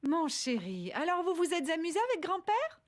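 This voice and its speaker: A woman's voice: very high-pitched, sing-song, normal speed. A woman voicing a caring, soothing young mother in a French-language children's cartoon.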